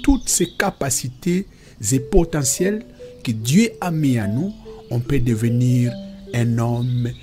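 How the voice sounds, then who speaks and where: A man playing a devout father who patiently and deliberately teaches his children in a Christian cartoon. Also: medium pitch, over music, natural voice. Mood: earnest, instructive. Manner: didactic, preacherly, deliberate.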